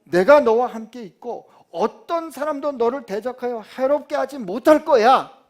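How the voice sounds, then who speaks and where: A man's voice: extremely high pitch, lively intonation, normal speed, voice pushed up. The Lord, blunt and reassuring, as a male preacher puts him on. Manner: blunt, fatherly, colloquial. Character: the Lord speaking to Paul, firm, reassuring.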